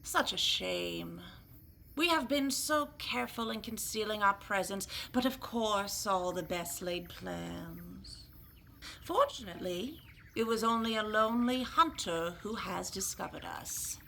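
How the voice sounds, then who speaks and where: An actress playing a sinister old village elder and witch in an audio drama, with a sugary, patronizing, creaky delivery. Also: medium pitch, unhurried, bright, forceful tone, a little hiss or hum. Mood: cold menace.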